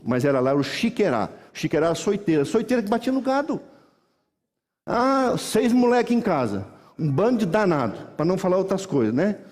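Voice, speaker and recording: A middle-aged man preaches from the pulpit. His fairly high voice tells homely stories with lively energy and acts out the people in them. Long reverb from the church hall trails every line. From Brazil. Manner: animated folksy storytelling, acts out voices. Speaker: pastor. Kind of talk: sermon.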